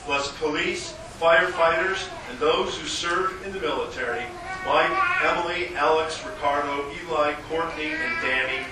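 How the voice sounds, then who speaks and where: A pastor leading solemn liturgical prayers and chanting the service in a large church, his voice ringing with a cathedral-like echo. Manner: solemn, measured prayer reading. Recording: booming church echo, distant mic, background noise.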